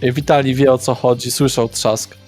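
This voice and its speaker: Measured male game master. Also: medium pitch, level tone, darkish tone. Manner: measured, deliberate scene description with hesitant fillers. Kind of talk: narrating a tabletop game. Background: faint background music.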